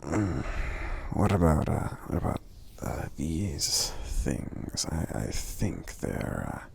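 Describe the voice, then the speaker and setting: A man playing a friendly, gentle giant in an ASMR roleplay, speaking softly and hesitantly in a breathy, gravelly voice that often nears a whisper, with murmured hums between phrases. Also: very deep voice, big pitch swings, slow pace, full character voice. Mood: kind, curious.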